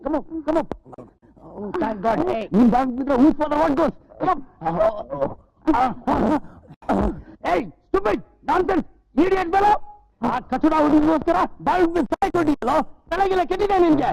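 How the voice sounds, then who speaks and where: An actor with a Kannada accent playing an obsessive, lovesick young film director, pleading and shouting in a film drama. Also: male voice, very high-pitched, slow, gravelly, pauses often, heavily acted, low-quality recording. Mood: angry.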